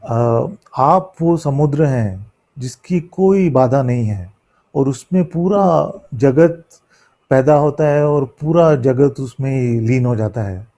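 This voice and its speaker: A man giving a spiritual discourse as a teacher, halting as he searches for words in imperfect, non-native Hindi mixed with English words. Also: mid-range voice, mellow. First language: not a native Hindi speaker, apologises for imperfect Hindi. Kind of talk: spiritual discourse in question-and-answer setting.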